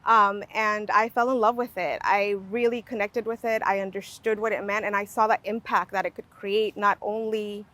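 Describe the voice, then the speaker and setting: A woman from Guatemala, whose first language is indigenous, telling her story reflectively with many pauses and fillers. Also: mid-range voice, little pitch movement, a bit bright. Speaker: language justice cooperative founder. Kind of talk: personal storytelling in conversation.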